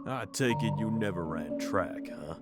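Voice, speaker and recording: A capable, gruff survivor acted by a man talks in a low voice. He is laconic and wry, giving orders and teasing, with loud music behind him in an audio drama. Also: lively intonation, unhurried. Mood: teasing, steady.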